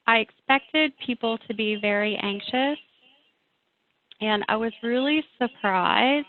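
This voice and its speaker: A woman's voice: fairly high pitch, a little hiss or hum. A woman presenting at an online meeting who talks hesitantly, with an echo that repeats her phrases back over the call. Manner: hesitant, many ums and restarts. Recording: tinny phone-like call audio.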